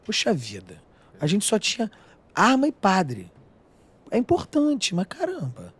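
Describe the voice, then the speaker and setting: A man's voice: high-pitched, huge pitch swings, unhurried, husky. A middle-aged man with a Carioca accent, a chef talking passionately and emphatically as a guest in a radio studio. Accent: Carioca Portuguese. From Rio de Janeiro, Brazil. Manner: passionate, emphatic, gesturing a lot. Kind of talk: casual studio talk.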